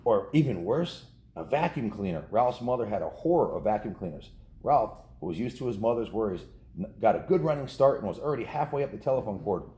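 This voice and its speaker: Low, mellow man reading aloud in echoey room. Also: very animated, a little fast, a little hiss or hum. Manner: informal, ad-libbing. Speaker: storybook reader. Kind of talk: casual read-aloud of a children's novel with chatty asides to kids. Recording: roomy, echoing indoor sound.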